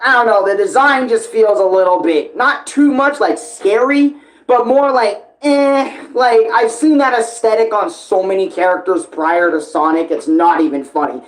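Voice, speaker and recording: A man's voice: high voice, normal speed, poor audio. A young man giving casual fan commentary as an online creator, rambling informally with hesitations, digressions and swearing.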